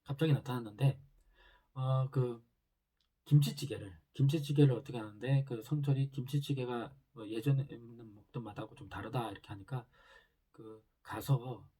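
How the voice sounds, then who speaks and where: A man's voice: mid-range voice, moderate pace, mellow, husky. A man retelling a TV drama's episodes in a loose, casual way, full of fillers and restarts. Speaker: drama reviewer.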